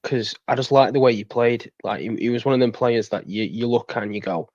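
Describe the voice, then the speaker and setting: A man's voice: medium pitch, fairly quick, a little mellow, no echo. A man, chatting casually as a fan guest on a podcast. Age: 20s. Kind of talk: casual interview chat. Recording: dull, dry lo-fi microphone.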